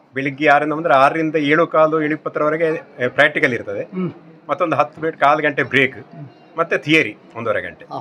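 This man's voice sits fairly high for his sex, with fairly even intonation. Noticeable background noise runs beneath it. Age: 60s. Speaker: retired engineer, yoga graduate. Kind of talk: interview.

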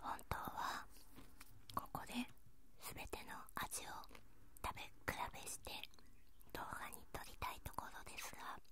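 Whispering and soft-spoken, the speaker goes at a fairly slow pace with long, frequent pauses, the sound dry with no echo but loud background noise behind it. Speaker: product reviewer. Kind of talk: product review narration. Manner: soft close ASMR whisper.

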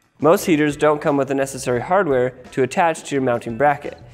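With faint music in the background, a man talks at a fairly quick pace. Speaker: presenter. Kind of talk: tutorial. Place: studio. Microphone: lapel.

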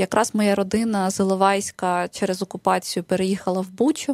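In an unremarkable speaking voice, a woman talks with fairly even intonation, the sound dry with no echo and the background quiet. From eastern Ukraine, Donetsk region (Ilovaisk); Donetsk region, Ukraine. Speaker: writer; radio guest. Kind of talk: interview. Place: studio. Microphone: headset.

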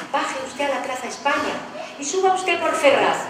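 A woman keeps a moderate tempo, with clear background noise and audible room echo around her. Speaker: festival presenter. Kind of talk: poetry reading. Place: stage.

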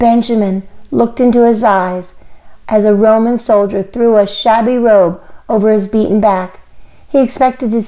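A natural reading voice comes through, its intonation fairly even.

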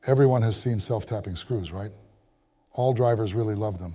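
A man's somewhat breathy voice, dark and mellow in tone, with ordinary pitch variation. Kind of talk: interview answer. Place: office. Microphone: lapel.

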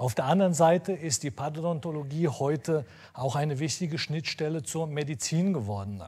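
Somewhat breathy and dark, mellow in tone, a man's voice sits fairly high, with ordinary pitch variation. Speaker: periodontist; dental lecturer. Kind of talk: lecture. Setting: stage with audience. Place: hall.

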